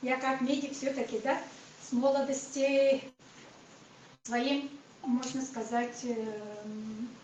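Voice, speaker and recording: A woman speaks very slowly in a high, monotone, flat voice, leaving long, frequent pauses at very even loudness. Audible room echo and noticeable background noise surround her. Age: 60s. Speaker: retired pediatrician, health product presenter. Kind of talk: presentation to live audience. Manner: hesitant, many fillers.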